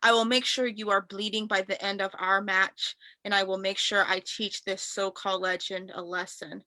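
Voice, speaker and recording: A woman's voice: mid-range voice, little pitch movement, moderate pace, sharp tone, no echo, close to an everyday voice. A woman playing a cocky young male wrestler, a vengeful braggart, in an amateur staged reading of wrestling promos. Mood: menacing, boastful.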